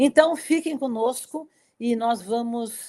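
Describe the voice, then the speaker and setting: This woman has an unremarkable speaking voice, pitched fairly high. Her intonation is lively. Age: 60s. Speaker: journalist and educator. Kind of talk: online TV show closing remarks. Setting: online live broadcast.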